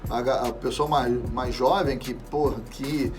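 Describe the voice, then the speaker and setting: A man in his 40s, appearing as an interview guest, talks casually about football in a mid-range voice at a measured pace while music plays behind him. He's animated and swears freely, often trailing off and starting over.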